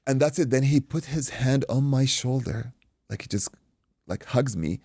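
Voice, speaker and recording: A man from Iraq, a boxing coach and guest, telling an animated story in casual chat, acting out quotes and swearing freely. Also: medium pitch, moderate pace, no room sound, studio quality.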